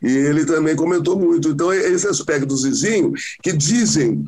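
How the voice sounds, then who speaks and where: Over noticeable background noise and audible room echo, a man speaks at a fairly slow pace and fairly high pitch with ordinary pitch variation. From Bauru, São Paulo state, Brazil. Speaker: sports journalist. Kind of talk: casual chat.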